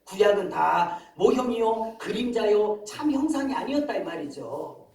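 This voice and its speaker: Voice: medium pitch, expressive, moderate pace, gravelly. Preacher in a very echoey church. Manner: asks the congregation rhetorical questions; emphatic, builds to loud passages. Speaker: pastor. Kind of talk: sermon. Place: church sanctuary. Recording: very echoey hall, mic far off.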